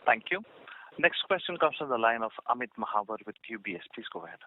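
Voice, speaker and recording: A man's voice: lowish voice, very animated, quick pace. A man making formal announcements as the operator of a conference call. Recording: tinny phone line with faint noise.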